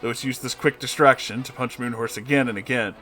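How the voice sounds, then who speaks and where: A man's voice: mid-range voice, fairly even intonation, fairly quick, bright, forceful tone. A man narrating a comedic story in a dramatic, amused reading style. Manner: amused, breaking into laughing asides.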